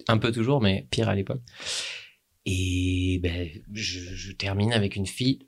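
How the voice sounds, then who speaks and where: A middle-aged man from France with a French accent, telling relaxed, rambling stories in a casual interview and laughing often. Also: deep voice, unhurried. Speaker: guest. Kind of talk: casual conversational storytelling.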